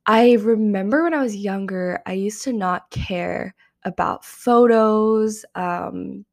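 A young woman hosts her podcast solo, chatting casually and filling pauses with ums. Her mid-pitched voice carries a steady vocal fry and sounds slightly strained. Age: young adult. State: slightly strained voice after karaoke. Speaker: podcast host.

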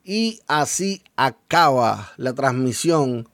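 A man's voice: mid-range voice, animated, slow pace, a bit bright, no room sound, studio quality. A man working as a wrestling commentator, calling the action move by move in short phrases. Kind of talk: wrestling play-by-play commentary in Spanish.

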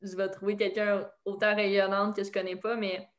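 A woman's voice: medium pitch, flat delivery, moderate pace. A woman with a Quebec French accent interviewing in a casual, encouraging way, dropping English slang into her French. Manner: supportive, encouraging.

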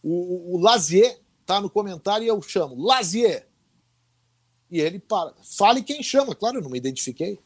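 A middle-aged man, telling old reporting stories in a casual interview. His voice sits high for a man and swings widely up and down. He acts out the voices he quotes with lively energy. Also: quick pace, few pauses. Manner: animated anecdotal storyteller who acts out quoted voices. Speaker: veteran sports reporter, guest.

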